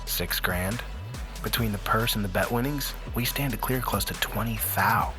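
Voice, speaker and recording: An actor playing a cocky young scooter racer in an audio drama, breezy, boastful and slangy. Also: male voice, on the low side, normal speed, over music, close to an everyday voice. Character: cocky young male scooter racer, sure he'll win. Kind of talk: acted audio drama dialogue.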